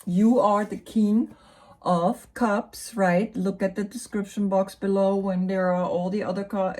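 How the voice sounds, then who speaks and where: A woman with a German accent, explaining tarot cards in a relaxed, musing way, with lots of fillers and tag questions. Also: fairly low pitch. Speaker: tarot reader and yoga teacher. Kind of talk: casual explanatory talk about tarot cards.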